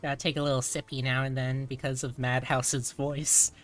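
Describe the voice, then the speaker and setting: A woman's voice: rumbling low, level tone, moderate pace, faint music behind. A woman hosting a casual live stream, chatting and thinking aloud in a rambling way. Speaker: streamer host.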